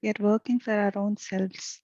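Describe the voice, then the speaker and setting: A woman leading a guided meditation as a teacher, speaking softly and soothingly with long pauses. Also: mid-range voice, fairly even intonation, no room sound, highs cut off. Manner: soft, gentle, soothing delivery with long pauses.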